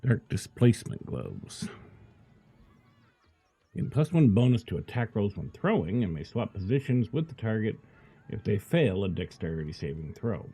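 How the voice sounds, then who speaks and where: A middle-aged man talks through his game in a casual way. His voice is lowish and soft-edged, dark in tone. He thinks aloud as he plays and reads out item names. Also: big pitch swings, moderate pace, slightly rough. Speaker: gamer playing and commenting. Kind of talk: casual gameplay commentary.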